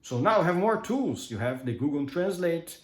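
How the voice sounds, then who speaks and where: A man's voice: on the high side, sing-song, normal speed, echoey room. A man from Brazil, a native Portuguese speaker with a countryside São Paulo accent, talks in a casual monologue full of hesitant restarts. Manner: hesitant, many restarts and fillers. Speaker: vlogger.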